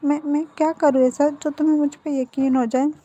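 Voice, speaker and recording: Woman reading a clingy whiny young guy, begs and stammers, bit high and soft. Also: level tone, brisk, lo-fi sound, lightly acted. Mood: hurt. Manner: pleading, melodramatic, stammering. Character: whiny dramatic young man in love. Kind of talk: storybook dialogue read by a narrator.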